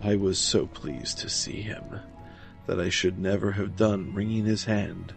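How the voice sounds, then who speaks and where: A man reads a gothic horror story with brooding, theatrical phrasing. His voice sits low with plenty of fry, and he takes his time. Quiet music runs underneath. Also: fairly even intonation, measured pace. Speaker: narrator. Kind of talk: dramatic gothic horror audiobook narration.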